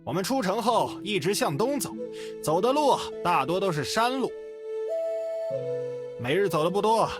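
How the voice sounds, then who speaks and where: A man playing a loud, cruel, gleeful bandit thug in a visual novel, brash and threatening in a theatrical way. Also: sits high, big pitch swings, moderate pace, long pauses. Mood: bossy, stern. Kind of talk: voiced visual novel dialogue in Mandarin. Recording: music playing loudly behind.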